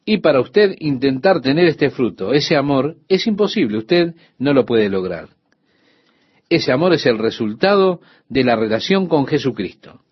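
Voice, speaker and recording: A man's voice: mid-range voice, expressive, measured pace, husky, dry recording, muffled recording. An older man, a pastor, giving a radio sermon in an earnest teaching tone with rhetorical questions to the listener.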